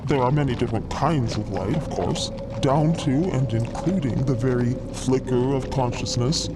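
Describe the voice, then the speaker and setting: Over a loud bed of rumbling ambience, an excitable little froggy explorer played by a man holds forth. He lectures in long, wordy, delighted explanations, as in an audio drama. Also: normal speed, heavy background noise, lightly acted. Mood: explaining. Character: eager, frog-like male cosmic explorer, gleeful theorizing savant. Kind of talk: acted fiction podcast dialogue.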